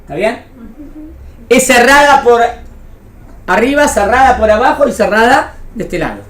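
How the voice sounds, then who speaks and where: High-pitched Argentine woman teaching. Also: animated, normal speed. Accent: Argentine Spanish. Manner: didactic, checking understanding with frequent questions; repeats phrases for emphasis. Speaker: religion teacher. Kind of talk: interactive lecture to a small class.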